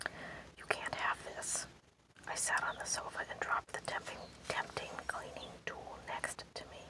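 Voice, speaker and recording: A woman whispers in a soothing tone at a fairly slow pace over noticeable background noise. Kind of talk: ASMR magazine and short story reading. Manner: whispered, soft-spoken, soothing.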